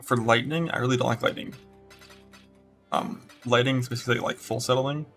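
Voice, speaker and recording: A man's voice: mid-range voice, fairly even intonation, a little fast, a bit bright, faint music behind. A man streaming a game, casually talking through build choices in a rambling way. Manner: rambling, many fillers and restarts. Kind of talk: casual gameplay commentary.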